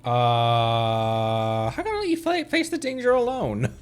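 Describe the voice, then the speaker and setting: A man's voice: medium pitch, very animated, measured pace, soft background music. A man livestreaming a game with casual commentary, talking in a playful, exaggerated way.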